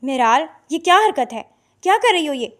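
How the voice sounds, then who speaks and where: A stern middle-aged father, acted by a woman reader in a storybook drama. He pleads helplessly one moment and growls with biting sarcasm the next, in a high voice. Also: natural voice. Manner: pleading then harsh, sarcastic.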